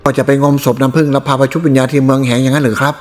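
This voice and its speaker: A man voicing a spoiled, hot-tempered rich young man who sulks and shouts, with long reverb and soft music behind. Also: medium pitch, flat delivery, racing, pitched above the performer's own voice, lightly acted. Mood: petulant. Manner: whiny, stubborn outbursts.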